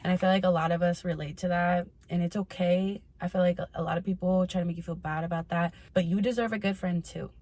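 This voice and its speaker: A woman's voice: lowish voice, fairly even intonation, fast, few pauses, a little mellow, dry recording. A woman hosting a casual advice vlog, talking candidly and informally to her followers and swearing freely. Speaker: host of a personal advice vlog. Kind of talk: casual chatty monologue to followers.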